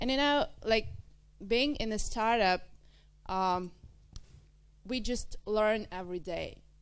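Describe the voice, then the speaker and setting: At a very slow pace, a woman with a fairly high pitch and ordinary pitch variation speaks with long, frequent pauses. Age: 30s. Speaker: startup founder. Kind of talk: panel discussion.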